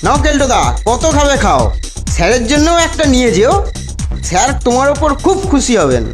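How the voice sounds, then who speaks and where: A woman's voice: sits high, sing-song, a little fast. A woman voicing a crafty young cartoon schoolboy who is coaxing and mock-deferential as he plots revenge. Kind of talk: cartoon voice acting. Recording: music behind the voice. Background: music.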